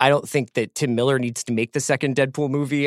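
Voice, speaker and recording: In a very clean recording with a silent background, a man has a plain, everyday voice at a medium pitch, with fairly even intonation and a fairly quick pace. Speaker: pop culture commentator. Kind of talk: casual chat. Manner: jokey.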